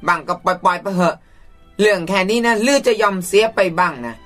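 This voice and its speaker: An actor playing a blunt, coarse-spoken friend who pleads for others to get a second chance. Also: male voice, high voice, brisk, a bit bright, faint music behind. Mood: pleading.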